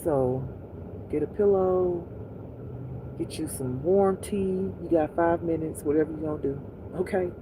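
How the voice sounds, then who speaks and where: A livestream host speaks in a mid-range voice over background noise, in a soothing, unhurried, intimate pillow-talk manner. Gentle instructions to relax are repeated again and again.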